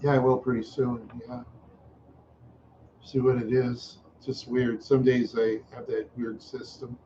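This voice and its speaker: An older man chatting in a slow, rambling way on a livestream, repeating "yeah" and chuckling often, tired and unwell. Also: mid-range voice, flat delivery. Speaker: livestream host. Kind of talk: rambling casual livestream chat. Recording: dull lo-fi stream audio with faint noise.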